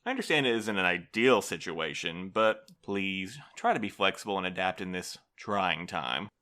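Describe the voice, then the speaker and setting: An actor playing a prim, officious postal supervisor in an audio drama, formal, polite and unflappable. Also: male voice, sits low, expressive, moderate pace, pushed and bright. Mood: officious, bland. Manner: formal, bureaucratic, smoothly evasive.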